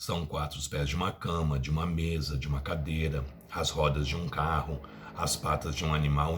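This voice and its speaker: A man with a very deep, low pitch over noticeable background noise. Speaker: tarot reader. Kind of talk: tarot reading to camera. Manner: fast.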